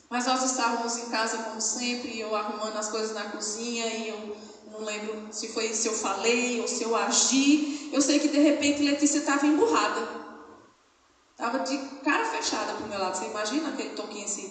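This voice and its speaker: A middle-aged woman preaching a sermon as a missionary, telling stories and acting out quoted speech with rising emphasis. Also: fairly high pitch. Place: church hall. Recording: echoey hall from far off, faint noise.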